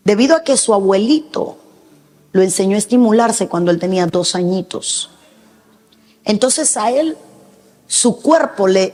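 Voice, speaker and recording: A woman's voice: medium pitch, a little mellow. A woman pastor preaching a sermon with emphatic delivery, now and then acting out the voices she quotes. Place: large church hall. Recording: reverberant hall.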